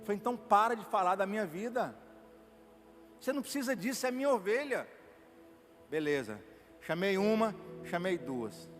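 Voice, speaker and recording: A Brazilian pastor delivers his sermon in a high, ringing male voice, driving his points with emphasis and drawing call-and-response from the congregation. The sound carries a long reverb from the church hall, with soft music faintly underneath. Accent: Brazilian Portuguese. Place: church sanctuary.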